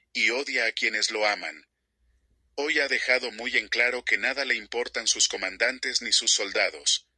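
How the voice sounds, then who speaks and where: A man's voice: medium pitch, pushed and bright, slightly rough, dry recording. A man reading the part of a stern army commander, firm and reproachful. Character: stern army commander rebuking his king.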